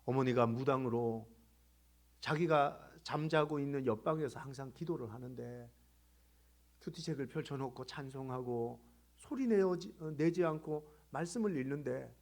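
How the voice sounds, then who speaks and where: A middle-aged male pastor preaching a sermon in a church, telling a story that swings between loud emphasis and hushed quiet. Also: fairly high pitch, vocal fry. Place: church sanctuary.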